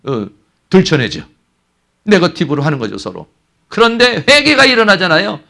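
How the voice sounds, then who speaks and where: An older man delivers a church sermon in a bright, fairly high voice that swings widely up and down. He presses each point with questions he answers himself. The delivery is emphatic and earnest. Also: big pitch swings, moderate pace, vocal fry. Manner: emphatic, asks rhetorical questions and answers them. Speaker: pastor. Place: church sanctuary.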